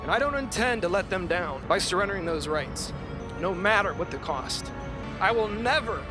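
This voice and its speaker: A man's voice: high voice, expressive, moderate pace, over music. An actor playing an indignant Christian man giving an earnest, defiant film speech. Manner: earnest, declarative, oratorical.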